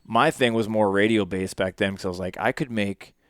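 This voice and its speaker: A man's voice: fairly low pitch, fairly quick, no room sound, clean studio sound. A man in his forties chatting casually on a podcast, rambling and full of fillers. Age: 40s. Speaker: podcast guest.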